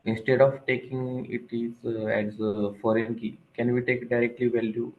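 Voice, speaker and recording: A male trainee puts a question to his trainer, polite and a little hesitant. His voice stays flat. The call audio sounds dull. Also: medium pitch, normal speed. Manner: hesitant, polite, many uh fillers. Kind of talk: asking questions in class.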